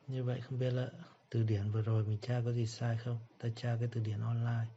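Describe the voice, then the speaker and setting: A man teaching English pronunciation, repeating each word slowly before explaining it. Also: medium pitch, flat delivery, dark tone, a little hiss or hum. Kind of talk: pronunciation lesson. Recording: dull lo-fi recording.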